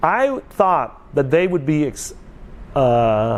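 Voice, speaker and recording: Over noticeable background noise, a man with an American accent speaks in a fairly high pitch with lively intonation. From Vietnam, raised in the US. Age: 40s. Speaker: YouTuber. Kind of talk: vlog monologue. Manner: casual, repetitive filler.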